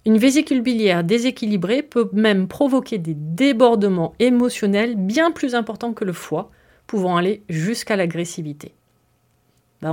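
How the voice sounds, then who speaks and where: A woman with a mid-range, slightly mellow voice hosts a casual explanatory podcast monologue. Her delivery is chatty and easygoing, speaking directly to listeners and explaining things with plenty of fillers and asides.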